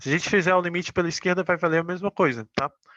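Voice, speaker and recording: A man's voice comes through dry and close, with no echo, over a quiet background. His tone is bright and sharp. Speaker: math lecturer. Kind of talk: lecture.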